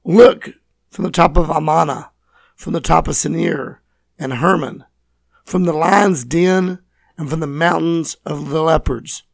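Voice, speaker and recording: Guy w/ scratchy hoarse voice doing bible teaching, kinda high, gravelly, super dry close sound. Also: unhurried, no echo. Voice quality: scratchy, raspy. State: hoarse from voice loss, recovering. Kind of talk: scripture reading and teaching, sermon podcast.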